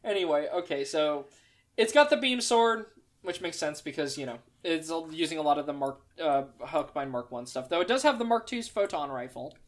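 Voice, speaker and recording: A woman's voice: low voice, animated, moderate pace. Rambling exasperated woman co-host. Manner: rambling, exasperated, lots of fillers. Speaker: podcast co-host. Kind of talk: casual chat about mecha designs.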